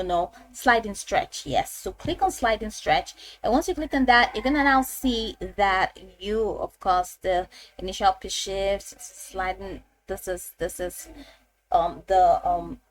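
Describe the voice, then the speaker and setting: A woman with a medium-pitched voice narrates a step-by-step software tutorial in an informal, instructional style, often repeating her phrases. The recording is rough.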